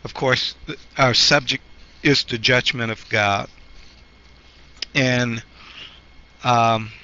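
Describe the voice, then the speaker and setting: A man who is a pastor, coming down with a cold, teaching a Bible study in a slow, halting way, clearing his throat often. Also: mid-range voice, pushed and bright. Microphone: handheld microphone. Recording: muffled lo-fi recording with faint noise.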